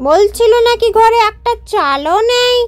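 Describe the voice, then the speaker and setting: A woman's voice: very high voice, animated, unhurried, no room sound, soft background music. A woman voicing an eager, greedy village wife in a cartoon moral story, with exaggerated delivery. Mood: surprised, eager.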